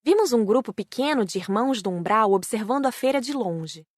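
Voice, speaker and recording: A woman's voice: fairly high pitch, animated, brisk, no echo, clean studio sound. A woman with a Brazilian accent reading scripted narration for a spiritist audiobook.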